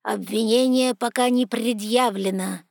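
A woman voicing a proud, sardonic male talking raven with a hoarse, croaking voice and a slow, cold, mocking manner. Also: fairly high pitch, fairly even intonation, darkish tone, no echo, clean studio sound. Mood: curt, aloof. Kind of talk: audiobook character voice.

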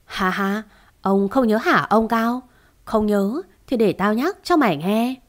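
A woman's voice: medium pitch, expressive, measured pace, close to an everyday voice. A woman reading the part of a bitter middle-aged steward who speaks harshly and accusingly.

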